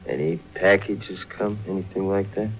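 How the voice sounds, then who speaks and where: An actor playing a suspicious, hot-tempered small-time hood in a 1940s radio crime drama, with a husky voice, an American accent and gruff slangy speech. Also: male voice, low voice, normal speed, faint music behind, rough recording. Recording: vintage 1940s radio broadcast.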